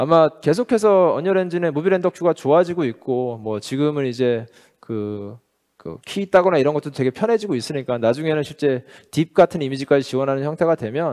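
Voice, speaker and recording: Fairly quick, lively delivery from a man at a fairly high pitch, with a dry, close sound and no echo. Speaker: conference speaker, tech studio research head. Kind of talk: conference presentation. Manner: fast.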